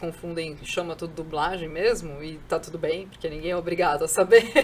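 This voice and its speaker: Over noticeable background noise, a woman with a fairly low pitch talks at a fairly quick pace with hardly any pauses. Her loudness swings a lot. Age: 40s. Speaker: actress and voice actor. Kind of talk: interview. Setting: studio.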